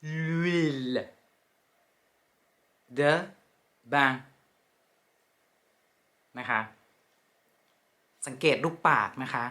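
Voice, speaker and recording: A woman leads a pronunciation lesson, going over each word with slow, careful repetition. Her delivery is extremely unhurried and drawn out. Her tone is bright and forward. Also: deep voice. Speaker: French language teacher.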